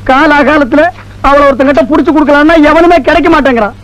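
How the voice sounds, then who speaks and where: A man's voice: extremely high pitch, quick pace, a bit bright, rough recording. An actor playing a sarcastic male jail warden who fires off mocking comebacks in a film comedy.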